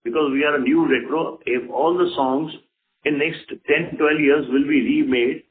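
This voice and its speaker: A man with an Indian accent answering investor questions as a company executive, repeating words and phrasing things haltingly. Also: on the high side, fairly even intonation. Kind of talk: unscripted investor conference call answers. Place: telephone conference call. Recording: phone-like conference call audio.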